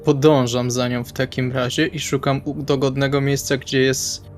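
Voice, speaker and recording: A man playing a tabletop RPG, narrating his character's actions in the first person in short, deliberate phrases. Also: mid-range voice, little pitch movement. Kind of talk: first-person roleplay narration over game session. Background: soft guitar music.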